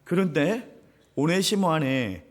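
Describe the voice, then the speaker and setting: A man's voice: on the high side, animated, slow pace. A male senior pastor preaching a sermon, telling a story and addressing the congregation directly. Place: church sanctuary. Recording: reverberant church sanctuary.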